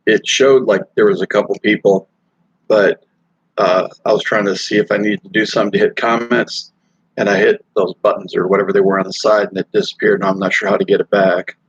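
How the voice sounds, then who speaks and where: A man's voice: lowish voice, little pitch movement, a little fast, breathy edge, dry recording. A middle-aged man chatting casually on a live stream, rambling with lots of fillers and restarts. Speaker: motorcycle vlogger live streaming. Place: hotel or rest stop while traveling. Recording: dull lo-fi dry sound.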